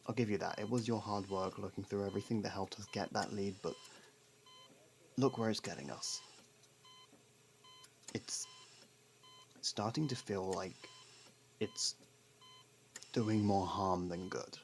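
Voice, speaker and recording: A man acting a sarcastic, scolding criminal partner who hides his worry, in an ASMR roleplay with halting pauses. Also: on the low side, fairly even intonation, gravelly, slight background noise. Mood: skeptical, reluctant. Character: gruff, sarcastic criminal partner, secretly worried.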